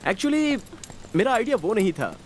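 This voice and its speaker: A man's voice: high voice, big pitch swings, moderate pace, a little hiss or hum. An actor dubbing a playful young man who teases and jokes with a woman he is looking after. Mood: pleading. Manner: teasing, joking banter. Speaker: film hero in a dubbed movie. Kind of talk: Hindi film dubbing. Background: film music.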